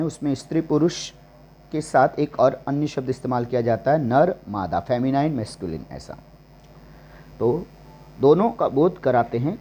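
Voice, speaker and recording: A man teaching a grammar lesson, slowly listing example words one at a time. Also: medium pitch, darkish tone. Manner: slow and deliberate, listing examples word by word. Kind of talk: classroom-style grammar lesson.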